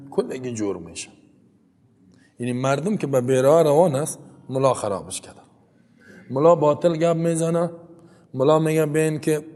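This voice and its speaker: Man, Afghan Dari accent, Quran commentary lesson, medium pitch, chatty asides, long hall reverb. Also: mellow. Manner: recites Arabic verses, then explains in plain talk; chatty asides with rhetorical "right?". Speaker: Quran teacher.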